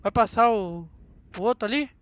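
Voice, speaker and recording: A young man with a Brazilian Portuguese accent giving chatty, excitable commentary on a driving game straight to his viewers. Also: high voice, normal speed, lo-fi sound. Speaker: gaming channel host. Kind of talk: casual gameplay commentary.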